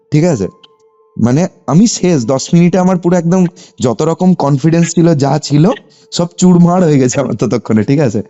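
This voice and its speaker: Over background music, a young man speaks on a muffled, lo-fi call. His voice is very mellow yet sits a little high for a man. He has a West Bengal Bengali accent and tells his story conversationally, checking often that the listener is following. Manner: animated telling, often seeking confirmation with short tags. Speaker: caller telling a personal ghost story.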